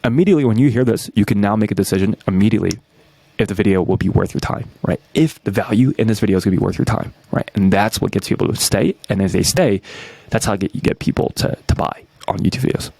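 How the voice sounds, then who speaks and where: A man in his twenties from New York, breaking down marketing tactics as a coach, energetic and full of rhetorical questions, tagging "right?" onto nearly every point. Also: lowish voice, fast, gravelly, slightly rough, no echo. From New York, USA. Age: 20s. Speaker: YouTube business coach.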